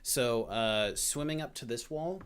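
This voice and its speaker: A man's voice: medium pitch, a little slow, smooth. A man running a tabletop game as dungeon master, describing scenes with many fillers and restarts.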